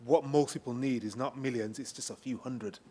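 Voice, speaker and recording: Brisk, fast-talking male moderator. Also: mid-range voice, steady tone, dark tone, slight background noise. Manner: brisk, keeps speakers short. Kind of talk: moderating a panel.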